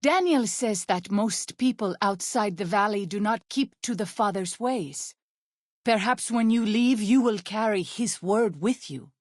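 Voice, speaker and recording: A young tribal woman scout for a video game, gentle and devout. Her mid-range voice is solemn and wistful, with careful, formal phrasing. The sound is dry, with no room around it. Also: medium pitch, animated, no echo. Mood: gentle, earnest. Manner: measured, formal phrasing without contractions, earnest. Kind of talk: video game character dialogue.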